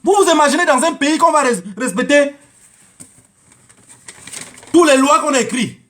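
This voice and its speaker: A man's voice: very high voice, normal speed, bright, forceful tone. A man giving an informal political monologue to online viewers, haranguing them emphatically and repeating phrases for effect.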